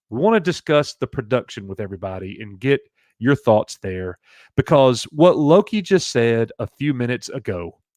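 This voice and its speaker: In an Alabama accent, a man speaks at a medium pitch and a moderate pace with an animated tone and very wide pitch swings. The recording is very clean, dry and close, with no echo and a silent background. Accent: Southern US (Alabama). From Alabama, US South. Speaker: live stream co-host. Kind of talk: casual live stream chat.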